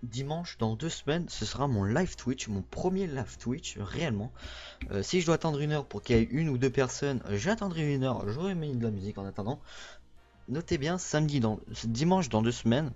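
A man's voice: medium pitch, lively intonation, normal speed, a little mellow, muffled recording, faint music behind. Rambling young Québécois man on a vlog. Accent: Québécois French. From Quebec. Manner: rambling, many hesitations and self-corrections. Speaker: YouTuber. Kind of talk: casual vlog update.

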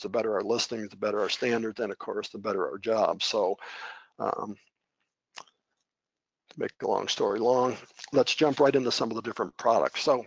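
A man's voice: fairly low pitch, creaky, no room sound. Folksy man giving a dry webinar talk. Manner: folksy, conversational, frequent fillers and restarts. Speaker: training manager giving a webinar. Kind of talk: unscripted presentation over slides. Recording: dull, dry webinar audio.

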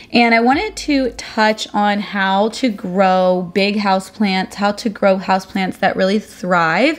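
A woman in her thirties chatting informally as a home vlogger, explaining things casually with self-deprecating asides. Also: mid-range voice. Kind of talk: casual explanatory vlog talk. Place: bright sunroom at home, indoors. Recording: echoey room.

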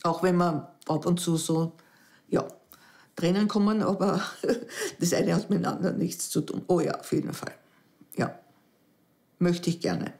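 A woman's voice: lowish voice, unhurried, vocal fry, long pauses. A woman in her fifties, a widow, speaking hesitantly and reflectively in an interview at home. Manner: hesitant, reflective, softening into near whispers. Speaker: dating show candidate. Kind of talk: emotional interview. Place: living room at home.

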